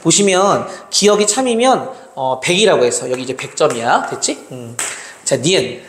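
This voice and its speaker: A man's voice: fairly high pitch, lively intonation, normal speed. A male math tutor working through exam problems step by step, talking calculations aloud and checking in with his students. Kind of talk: exam problem walkthrough lecture. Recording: roomy reverb, faint noise.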